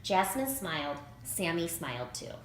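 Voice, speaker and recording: A woman reading a children's picture book aloud in an expressive, emphatic way. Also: on the low side, unhurried. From United States. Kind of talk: read-aloud storybook narration. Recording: roomy echo, clear background noise.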